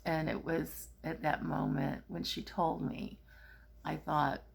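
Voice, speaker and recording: A woman's voice: low-pitched, fairly even intonation, slow, creaky, slightly rough. A middle-aged woman, a spiritual therapist, telling a personal story in a casual, rambling way with many fillers and restarts.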